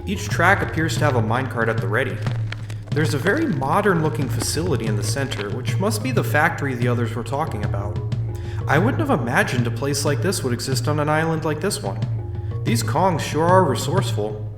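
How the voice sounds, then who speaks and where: A man playing an observant, wry visitor narrating his own tour in a fan audio drama, measured and dry. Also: on the high side, sing-song. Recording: roomy sound under music. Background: music.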